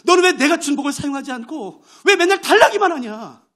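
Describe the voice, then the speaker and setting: A man voicing God, who calmly and gently reproves a complaining believer. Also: extremely high pitch, quick pace, voice pushed up. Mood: gentle rebuke.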